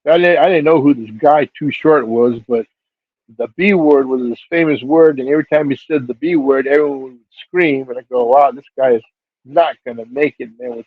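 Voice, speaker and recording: A man's voice: medium pitch, moderate pace, breathy edge, dry recording. A middle-aged man from Seattle, talking easygoing and loose, with lots of filler words. He comes through a thin, phone-like line with a dry, close sound. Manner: laid-back, many fillers, voice jumps up for quoted reactions. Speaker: hip-hop DJ and label figure telling his story. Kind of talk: casual storytelling interview.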